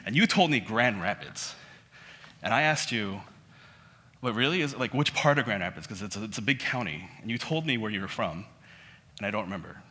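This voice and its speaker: A Korean-born man in his thirties giving a relaxed, conversational public lecture, often restarting his sentences. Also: fairly low pitch, fairly quick. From South Korea. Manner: conversational, self-deprecating, many restarts. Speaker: guest lecturer. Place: auditorium. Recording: hall reverb.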